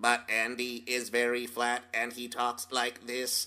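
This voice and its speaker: Using a put-on character voice, a man speaks at a medium pitch and a fairly slow pace in a monotone, flat intonation. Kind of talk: pronouncement-like. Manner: flat, monotone, slow.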